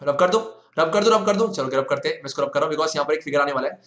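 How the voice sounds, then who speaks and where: A young male teacher working through exam questions in a lively, coaxing way, mixing English phrases into his talk. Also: a little high, racing. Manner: animated, coaxing, mixes English into Hindi. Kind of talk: exam solution lesson. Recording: echoey room.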